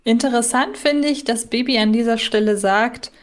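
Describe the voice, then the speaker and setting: A woman's voice: fairly high pitch, normal speed. A woman co-hosting a podcast in casual discussion, inquisitive and thinking aloud. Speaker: podcast co-host. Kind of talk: casual discussion between fans.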